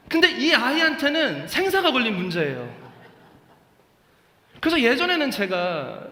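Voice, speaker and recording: High-voiced pastor in an echoing sanctuary. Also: male voice, bright, forceful tone. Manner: earnest, pleading, rising to fervent emphasis. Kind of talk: sermon. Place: church sanctuary. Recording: echoey church hall with long reverb.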